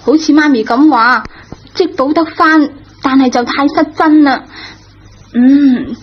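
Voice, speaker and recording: High-voiced wheedling schoolgirl. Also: a little slow. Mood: coaxing. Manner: coaxing, insistent. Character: wheedling, headstrong schoolgirl daughter. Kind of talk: radio drama acting. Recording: dull lo-fi radio recording.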